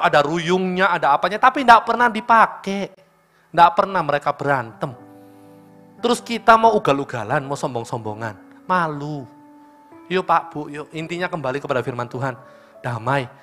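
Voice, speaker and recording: A male pastor with an East Javanese accent preaching at a church service, telling a story and speaking straight to the congregation. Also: fairly high pitch. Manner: lively storytelling, addressing the congregation directly. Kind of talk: sermon.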